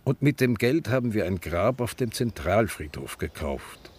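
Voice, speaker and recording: A man's voice: lowish voice, expressive, normal speed, darkish tone, a little hiss or hum, close to an everyday voice. An actor playing an ageing, defiant gay activist who tells of his grief with a Viennese accent, in a radio drama. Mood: sombre, mourning. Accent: Viennese Austrian. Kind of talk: radio drama monologue and dialogue. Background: music.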